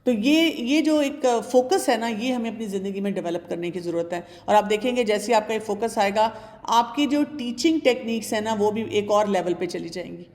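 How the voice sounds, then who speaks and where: A woman gives calm, advising talk on parenting and faith, turning to her listeners directly. Her voice carries a long reverb off the hall. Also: mid-range voice. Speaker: speaker answering audience questions.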